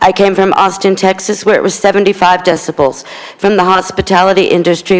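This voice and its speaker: Delivered at a moderate pace with an American accent, the speech sits over noticeable background noise. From Philadelphia. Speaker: member of the public. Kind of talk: public comment at city meeting.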